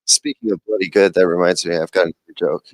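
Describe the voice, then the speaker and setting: Deep-voiced wry man, dry close sound. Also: fairly even intonation, fairly quick, no room sound. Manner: wry, joking, self-deprecating. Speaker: TV shootout panelist. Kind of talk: casual livestream chat. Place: TV viewing room.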